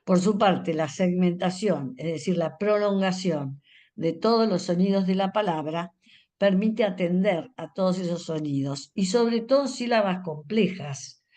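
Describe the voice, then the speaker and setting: A woman's voice: fairly low pitch, a little slow, dark tone. Older woman lecturing teachers. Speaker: reading education specialist speaking to teachers.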